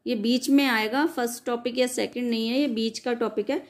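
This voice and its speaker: A woman's voice: fairly high pitch, steady tone, moderate pace. Woman teacher reading out grammar notes. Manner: reads out definitions, then re-explains them in loose spoken asides; frequent self-corrections and "sorry". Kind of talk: exam-prep grammar lesson.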